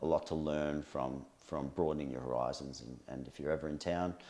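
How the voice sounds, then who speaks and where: A man speaks with an Australian accent. His very deep, low pitch follows fairly even intonation. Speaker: police crisis negotiator. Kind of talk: casual interview chat. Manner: halting, many fillers.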